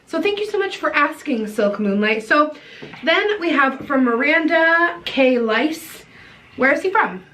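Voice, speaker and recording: A woman's voice: high-pitched, animated, a little slow, pushed and bright, a little hiss or hum, low-quality recording. A young woman vlogger in casual chat with her boyfriend, playful and teasing, telling stories with acted-out quotes.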